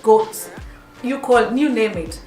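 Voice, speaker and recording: A woman's voice: fairly high pitch, takes it slowly, darkish tone, roomy sound, far from the mic, faint music behind. A woman from Kenya whose first language is Kikuyu, hosting a radio show in a chatty way, often repeating and restarting words. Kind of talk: casual radio chat.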